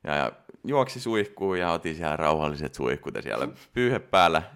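A man's voice: deep voice, big pitch swings, a bit bright, smooth. A man in his thirties, a competitor, telling a story in a casual interview with many restarts and fillers. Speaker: bodybuilding competitor guest.

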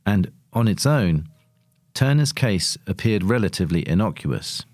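A man narrates a written feature from a script. His voice sits low in pitch, and the recording is dry, with hardly any room around it. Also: big pitch swings, moderate pace, a little mellow, no echo. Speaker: narrator reading a long-form article.

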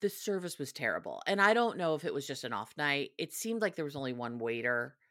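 Female podcast co-host, deep for a woman, very lively, casual sweary storytelling. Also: a little fast. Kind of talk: casual chat.

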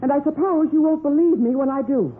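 A woman playing a defiant, sharp-tongued young secretary under suspicion in a 1940s radio crime drama. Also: high-pitched, a little fast, lightly acted. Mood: cool, guarded. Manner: curt, defiant. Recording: muffled, scratchy 1940s radio recording.

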